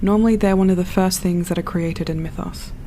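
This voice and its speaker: A woman's voice: fairly low pitch, steady tone, brisk, warm tone, slight background noise, natural voice. A woman playing a proud, dreamy perfectionist spaceship designer in a sci-fi audio drama, speaking in a lofty, poetic, self-assured way. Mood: wistful, yearning.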